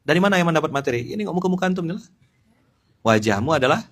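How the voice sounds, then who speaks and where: Middle-aged male preacher, animated and humorous, addresses listeners directly. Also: fairly high pitch, racing. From Pontianak, West Kalimantan. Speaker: Islamic preacher. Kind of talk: informal sermon.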